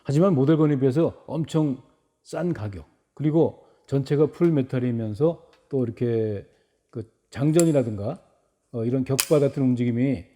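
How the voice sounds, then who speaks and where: A man's voice: mid-range voice, normal speed, mellow. A middle-aged man giving a casual product review narration. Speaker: replica gun reviewer.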